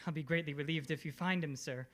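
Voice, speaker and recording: An actor playing a courteous, apologetic village gentleman in a radio mystery, with formal manners. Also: fairly high pitch, fast, natural voice. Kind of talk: old-time radio mystery acting.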